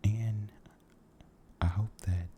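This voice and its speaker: A man giving a soft-spoken, mostly whispered ASMR ramble, halting and gentle, repeating his phrases, close to the microphone. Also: on the low side, steady tone, slight background noise. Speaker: ASMR video creator.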